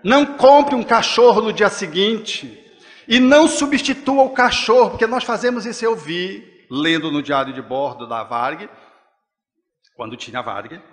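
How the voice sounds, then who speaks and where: A man with a Brazilian accent lectures at a spiritist gathering in a high voice. He is expressive and slips into the gentle voice of a parent talking to a child. His voice rings with the long reverb of a lecture hall. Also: unhurried. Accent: Brazilian Portuguese. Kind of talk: spiritist talk.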